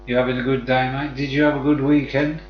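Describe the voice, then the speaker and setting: This time the West Midlands man talks fast, his medium-pitched voice level, with a little hiss or hum in the background. With his Black Country accent, he chats casually with live-stream viewers in a friendly, matey way. Faint music plays in an echoey room, and the sound is dull.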